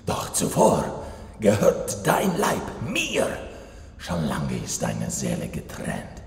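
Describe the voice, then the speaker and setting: An actor playing a menacing, solemn cultist villain chanting incantations to ancient masters in a horror radio drama. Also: male voice, a bass voice, wildly swooping pitch, slow pace, creaky, heavily acted. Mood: menacing triumph. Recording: long echoing hall reverb.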